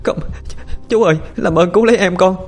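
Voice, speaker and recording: A man voicing a panicked young girl searching for her little brother, pleading and crying. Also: a little fast. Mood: frantic. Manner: crying, pleading, high-pitched. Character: panicked young village girl, older sister.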